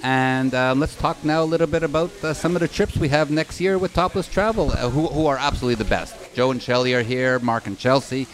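A man's voice: medium pitch, fairly quick, few pauses, low-quality recording. A man hosting a casual podcast with sponsor reads, recorded in a hotel lobby. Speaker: podcast host.

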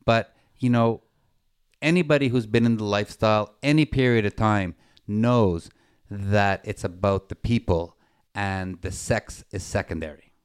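A man with a smooth, clear voice co-hosts a casual chat. He talks in an easygoing, rambling way. The sound is close and dry. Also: fairly low pitch, measured pace, no room sound. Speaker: podcast co-host. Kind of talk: casual interview hosting.

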